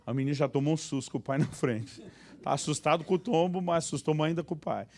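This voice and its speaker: A man's voice: a little high, fast. A male pastor preaching a humorous sermon, telling anecdotes and acting out the voices in them. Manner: animated, acts out voices in anecdotes.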